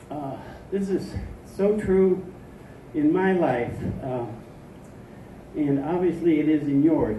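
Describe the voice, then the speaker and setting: A man at a fairly slow pace with ordinary pitch variation and audible room echo. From US Midwest, Indianapolis. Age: 70s. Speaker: panel speaker, formerly homeless. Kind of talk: public talk.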